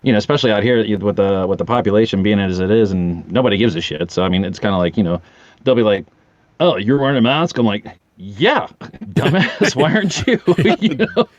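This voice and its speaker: A man's voice: fairly low pitch, lively intonation, brisk, no echo, dull audio. A middle-aged man chatting casually as a podcast guest, with a joking, salty, irreverent manner. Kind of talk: casual chat.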